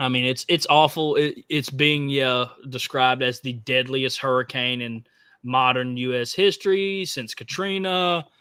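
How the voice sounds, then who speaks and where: On a very clean recording with a silent background, a man with a Mississippi accent speaks fairly slowly at a medium pitch in a bright, sharp tone with ordinary pitch variation. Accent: US Southern (Mississippi). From southern Mississippi. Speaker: political podcast host. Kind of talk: casual political chat. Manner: halting, many fillers.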